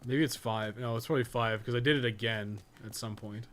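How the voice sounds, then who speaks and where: A male streamer and podcast co-host rambles through casual live game commentary, swearing plenty. His mid-range voice is steady, brisk, and slightly bright, and the noisy recording carries video game sound and dialogue behind him.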